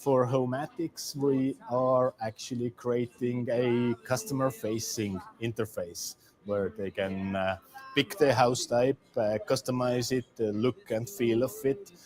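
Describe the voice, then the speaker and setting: A man speaks as a company representative in a promotional testimonial. He explains in a voice of ordinary pitch. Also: steady tone, measured pace, a little mellow. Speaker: company spokesman.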